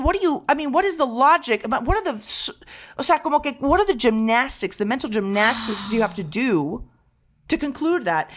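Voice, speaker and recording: A woman from Venezuela chatting casually on a podcast, telling an animated story and swearing freely, with Spanish phrases mixed in. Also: on the high side.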